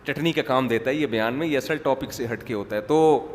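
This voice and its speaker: A man preaching a sermon, talking in a chatty, joking storytelling way. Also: medium pitch. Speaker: Islamic preacher. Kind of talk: sermon with humorous digressions. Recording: echoey hall with faint background noise.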